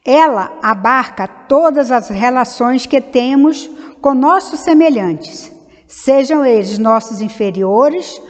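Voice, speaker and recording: A Brazilian woman giving an informal, conversational religious study talk, wandering off on side stories and acting out small dialogues. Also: on the high side. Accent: Brazilian Portuguese. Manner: conversational, digressive, acts out little dialogues. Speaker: speaker at a Spiritist study meeting. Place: meeting hall of a Spiritist center. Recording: long hall reverb.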